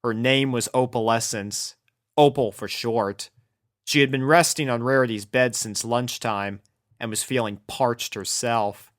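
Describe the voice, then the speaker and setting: A man's voice: medium pitch, measured pace, fairly bright tone, dry recording, clean studio sound. A man reading a scripted story aloud as narrator, in a dramatic storybook manner. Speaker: fan fiction narrator.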